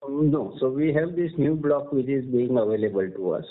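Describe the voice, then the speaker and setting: A man's voice: mid-range voice, moderate pace. A man with an Indian accent answering investor questions as a company executive on an earnings call, explaining things step by step. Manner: explanatory, uses tags like "right?" and "so to say". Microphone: conference call line. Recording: muffled narrow-band conference phone line.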